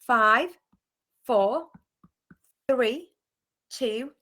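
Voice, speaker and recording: Bright-voiced British woman teaching phonics. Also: fairly high pitch, extremely slow. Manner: encouraging, clear sounding-out of letters. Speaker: primary school teacher. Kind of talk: online phonics lesson. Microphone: video call.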